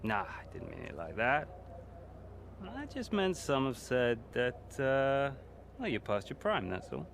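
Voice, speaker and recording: A man's voice: mid-range voice, wildly swooping pitch, unhurried, creaky, slight background noise, heavily acted. An actor playing a smug, gossiping male racing driver who teases and mocks his rivals. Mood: teasing. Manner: teasing, mocking, laughs a lot.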